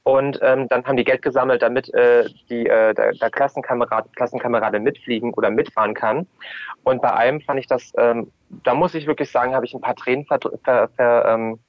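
A man's voice: mid-range voice, fairly even intonation, no room sound. Man chatting, dry slightly dull recording. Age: adult. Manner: halting, searching for words, emphatic, acts out short quotes. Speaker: podcast guest, drag queen and DJ. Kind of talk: casual interview, reminiscing.

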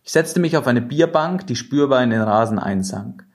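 A man narrating a novel in the first person, in a measured and expressive reading. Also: medium pitch. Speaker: audiobook narrator.

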